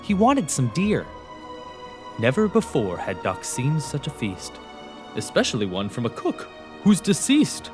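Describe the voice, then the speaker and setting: A man reads a rhyming children's storybook aloud as narrator. His delivery is theatrical and rhythmic, with an animated, wide-ranging pitch. Music plays behind him. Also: unhurried.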